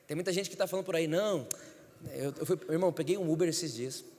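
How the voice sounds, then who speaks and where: A man's voice: fairly high pitch, fast talker, darkish tone. A man, a pastor, preaching an emphatic storytelling sermon in a church. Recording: church hall reverb.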